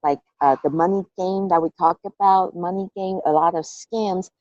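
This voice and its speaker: A Taiwanese woman tells her story candidly in a casual interview over a team call, restarting hesitantly and saying "okay" a lot. Her voice is fairly low, steady, and darkish at a moderate pace, with no room sound, though the call audio is dull and lo-fi.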